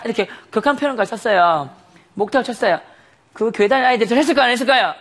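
A man's voice: very high-pitched, animated, rapid-fire, a bit bright, a little hiss or hum. A man giving a sermon testimony, telling a story animatedly with frequent laughter and rhetorical questions.

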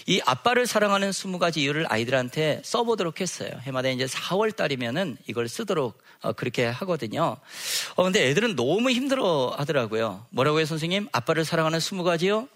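A man, a schoolteacher, giving an earnest church testimony. He speaks slowly and with emphasis, and acts out the dialogue. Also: a little high, sing-song, fairly bright tone.

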